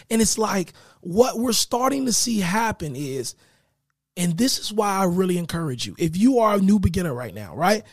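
A man hosting his own podcast in a casual motivational style, with a raspy voice that is giving out, often checking in with his listeners. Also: high voice, no room sound, studio quality. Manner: energetic, hyped greetings, repeats "right?". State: losing his voice. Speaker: podcast host.

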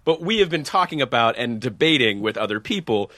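A man who created a TV show, chatting as a podcast guest in a loose, halting way. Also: medium pitch, very animated, pushed and bright, no echo, studio quality. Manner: loose, halting, full of fillers and restarts. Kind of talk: casual chat.

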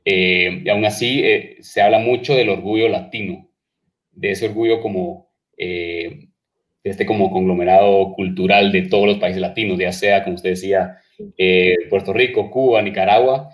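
A man's voice: low-pitched, steady tone, normal speed. A man from Guatemala, hosting a conversational interview and asking long, reflective questions. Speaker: podcast host.

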